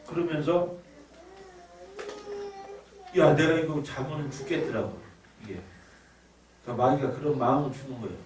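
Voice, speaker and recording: A man tells his own story before a church audience, slipping into the voice of his past self as he goes. His voice sits at an ordinary middle pitch. The mic is set back from him in an echoey room, and a steady noise runs underneath. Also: recorded from a distance. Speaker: evangelist giving testimony. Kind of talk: spoken testimony.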